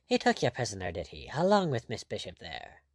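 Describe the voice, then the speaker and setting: A man voicing a cool, courteous, mocking pirate captain, quietly firm and sardonic, in an audiobook adventure story. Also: mid-range voice, wildly swooping pitch, brisk, no room sound, studio quality. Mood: brusque.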